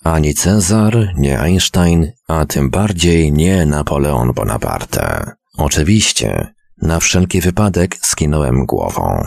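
Deep, gravelly male storyteller. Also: big pitch swings, takes it slowly, a little mellow, no room sound, clean studio sound. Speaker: narrator. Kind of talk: audiobook reading of a short story.

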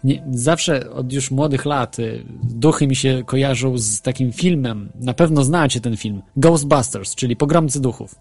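Gravelly-voiced male radio host. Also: medium pitch, measured pace, hardly any pauses, darkish tone. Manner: hesitant, frequent fillers and restarts. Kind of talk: casual radio talk with ghost stories. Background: faint music bed.

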